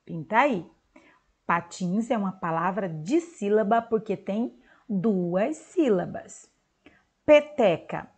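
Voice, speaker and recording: A woman teaching a recorded lesson to young children in Brazilian Portuguese, speaking clearly and drawing out words for them. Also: medium pitch, warm tone. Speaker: primary school teacher.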